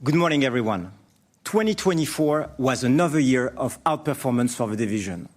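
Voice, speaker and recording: A man delivering a formal, prepared business presentation as a company executive, in measured scripted phrases. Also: mid-range voice, expressive. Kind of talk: prepared earnings presentation speech.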